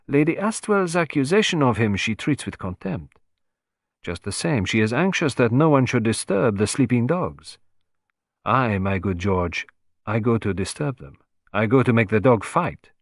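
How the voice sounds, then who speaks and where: A man's voice: mid-range voice, animated, normal speed, no room sound, studio quality. A man voicing a vain, fussy little male detective who speaks in a courtly, self-satisfied and precise way. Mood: musing.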